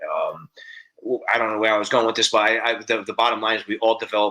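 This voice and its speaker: A man with an East Coast accent at a very fast pace. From Rhode Island. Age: 50s. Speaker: fitness entrepreneur. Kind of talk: podcast interview. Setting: studio. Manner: many fillers, self-corrections.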